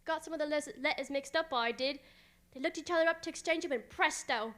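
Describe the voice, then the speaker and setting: A garrulous, cheerfully boastful village busybody who delivers the post, acted by a woman for radio theatre. The voice is high and forcefully bright, with a folksy, cheeky delivery. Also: brisk. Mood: proudly chatty. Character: chatty, nosy, cheerfully boastful village postwoman.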